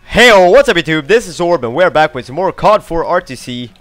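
Excitable young gamer, lively swearing. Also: male voice, a little high, fairly quick, dry recording, faint music behind. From Sweden. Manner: excitable, swears often, sudden outbursts. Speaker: gameplay commentator. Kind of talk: live gameplay commentary.

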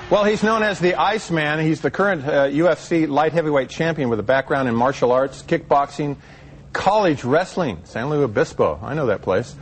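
A man's voice: a little high, lively intonation, normal speed, poor audio. Male TV interviewer, conversational presenter delivery. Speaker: television interviewer, host. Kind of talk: live broadcast interview. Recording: slight background noise.

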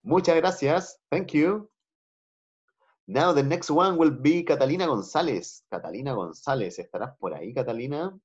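A man's voice: fairly high pitch, expressive, a little slow, breathy edge. A man teaching English on a video call, patient, switching between Spanish and English and repeating phrases. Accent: Chilean Spanish. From Chile. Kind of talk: online class teaching. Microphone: computer mic on a video call. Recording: dull lo-fi video call audio.

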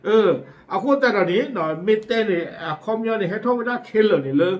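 High-pitched and quick, a man talks through community news like he's chatting with friends. It's casual spoken commentary, peppered with fillers and little asides.

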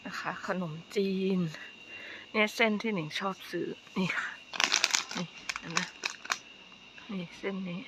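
A woman's voice: medium pitch, roomy sound, distant mic, background noise. A woman vlogging casually with many fillers, filmed on a phone without an external mic. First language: Thai. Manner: chatty, warm-hearted, frequent fillers. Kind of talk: casual chatty vlog. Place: home in Germany and shopping trip. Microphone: phone camera, no external mic.

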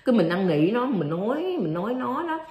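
A woman's voice: a little high, sing-song, a little fast, darkish tone. Middle-aged woman telling a sad story. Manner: repetitive, addresses viewers as aunts and uncles. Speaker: vlogger. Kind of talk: emotional personal storytelling. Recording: roomy echo.

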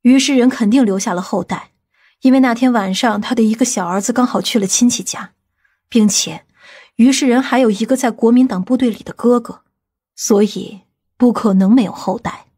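A woman playing a stern, commanding woman from a powerful family in an audiobook drama, speaking gravely and deliberately. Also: fairly high pitch, warm tone. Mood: stern, insistent.

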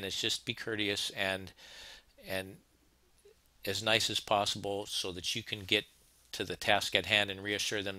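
A man's voice: fairly low pitch, bright, forceful tone, dry recording. A man teaching an HVAC training course, talking casually over slides and often restarting his sentences. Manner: plain-spoken, conversational, frequent restarts and repeats. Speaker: HVAC instructor. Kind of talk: narrated slide lecture.

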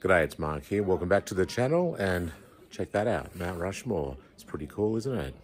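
A man's voice: sits low, normal speed. A man in his fifties with an Australian accent, chatting casually to a phone camera about a road trip. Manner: relaxed, chatty, easily impressed. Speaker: travel vlogger. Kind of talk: casual travel vlog narration. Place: in and around a car, outdoors on a road trip. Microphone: phone camera held at arm's length.

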